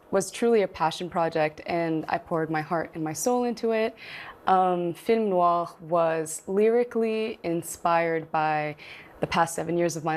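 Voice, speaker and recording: A young woman singer, born in Morocco and raised in Canada, talking earnestly as a guest in a TV studio interview, with plenty of ums and likes. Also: fairly low pitch. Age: young adult.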